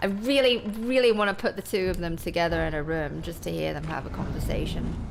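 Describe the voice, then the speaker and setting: A woman talks at a very fast pace with an American accent. Noticeable background noise and audible room echo surround her. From England. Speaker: video game streamer. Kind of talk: casual live-stream chat.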